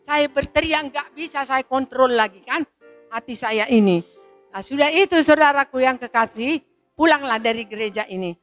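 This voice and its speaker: A woman in her seventies, giving an emotional spoken testimony to a congregation and acting out the people in her story. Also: high voice. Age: 70s. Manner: emotional, storytelling, quotes people in lively voices. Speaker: church testimony speaker.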